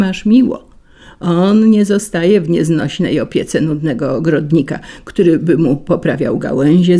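A woman reading a storybook, voicing a cheeky male breeze spirit that mocks quickly and restlessly. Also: low voice, vocal fry, warm tone, breathy edge, heavily acted.

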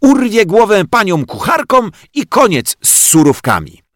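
A man voicing an alert, excitable kindergarten boy in a very high, eager voice. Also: a little slow, no echo, clean studio sound, heavily acted.

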